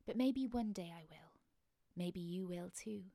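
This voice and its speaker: Gently hushed woman telling a bedtime story. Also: fairly low pitch, measured pace, creaky, no room sound, studio quality. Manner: soft and gentle, often dropping to a hushed whisper.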